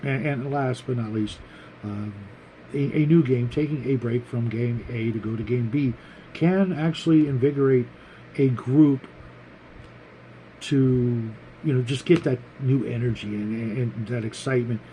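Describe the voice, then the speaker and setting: A man hosting a casual, unscripted vlog about tabletop gaming, talking to viewers in a rambling, halting, conversational way. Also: mid-range voice, dark tone, a little hiss or hum, poor audio. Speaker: host of a tabletop gaming vlog, game master.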